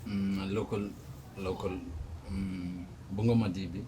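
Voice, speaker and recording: Middle-aged man from Kenya, low voice, hesitant and soft-spoken, clear background noise. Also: flat delivery, measured pace. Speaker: guest. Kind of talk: casual interview.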